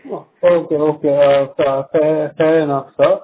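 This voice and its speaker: Male Indian analyst caller, slightly high-pitched, polite and halting, over a tinny, faintly noisy phone line. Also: steady tone. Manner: hesitant, halting phrasing. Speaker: caller asking questions, investment analyst. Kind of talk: polite question on an earnings call. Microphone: telephone.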